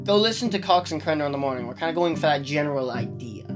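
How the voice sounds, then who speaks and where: A man's voice: on the high side, animated, quick pace, music in the background. A young man from Ireland with an Irish accent, co-hosting a casual podcast and rambling with many restarts, recorded on a phone. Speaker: podcast co-host. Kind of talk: casual chat. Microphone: phone on the table.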